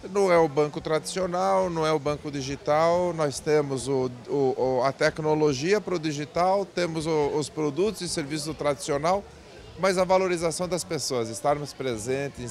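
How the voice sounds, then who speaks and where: A man, president of a cooperative bank, speaking measuredly with restarts in an interview at an indoor event stand on a handheld mic. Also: a little high. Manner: measured, repeats and restarts phrases.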